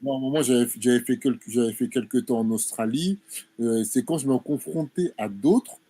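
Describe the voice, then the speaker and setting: A man from France with a warm, mellow voice chats bluntly in a group discussion. His pitch sits in the middle range. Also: normal speed, husky. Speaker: discussion panelist.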